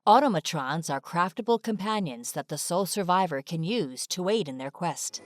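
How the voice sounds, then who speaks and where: A woman voices scripted narration for an online video in an animated, lowish voice at a moderate pace. The recording is studio quality: close and dry, with no room sound.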